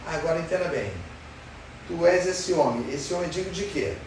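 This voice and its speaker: A man's voice: fairly high pitch, normal speed, gravelly. A man teaches a Sunday school Bible lesson, questioning his class in an emphatic way. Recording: roomy far-off sound with faint noise.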